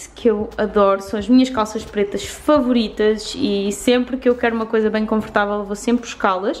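Ordinary pitch variation marks a woman's speech at a moderate pace. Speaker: lifestyle vlogger. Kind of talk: casual vlog chat. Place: home room. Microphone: phone near.

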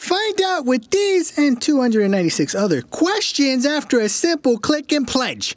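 Upbeat and at a moderate pace, this put-on character voice swings very widely in pitch. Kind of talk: crowdfunding pitch video. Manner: comedic, upbeat sales pitch.

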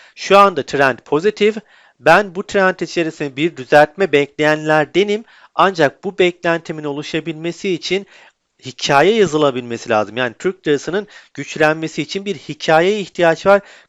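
Over a quiet background, a man with a fairly high pitch and ordinary pitch variation talks at a moderate pace, the sound dry and close with no echo. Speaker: financial market analyst. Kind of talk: market analysis video. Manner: hesitant fillers.

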